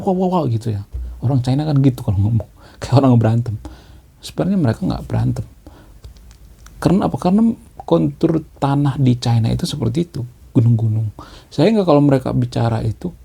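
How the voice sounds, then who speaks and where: A man's voice: mid-range voice, gravelly, warm tone, husky. A man giving a leisurely monologue commentary, explaining his views and tagging his phrases with a questioning "ya", often repeating key words. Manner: explanatory, ends phrases with a tag "ya".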